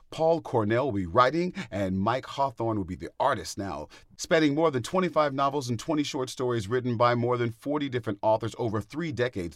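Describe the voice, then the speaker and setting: A man's voice: mid-range voice, no room sound, studio quality. A man co-hosting a comics show, presenting news items in an upbeat way. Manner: upbeat, addresses listeners as y'all. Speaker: co-host. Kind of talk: reading news items in a chat.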